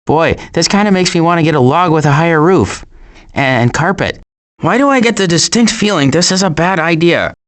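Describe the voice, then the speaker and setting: Wry, wisecracking cartoon woodland critter. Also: male voice, fairly high pitch, expressive, moderate pace, fairly bright tone. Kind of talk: animated video game character lines.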